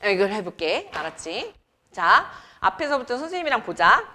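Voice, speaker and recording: A woman's voice: mid-range voice, big pitch swings, moderate pace, pushed and bright. A young adult woman from Seoul teaching grammar in a classroom, chatty and teasing as she quizzes her students. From Seoul, South Korea. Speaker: academy Korean teacher. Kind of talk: classroom lecture.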